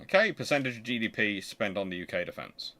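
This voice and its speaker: A man's voice: lowish voice, big pitch swings, sharp tone. Man thinking aloud as he explains. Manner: conversational, halting, muttering to himself while working. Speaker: history channel host.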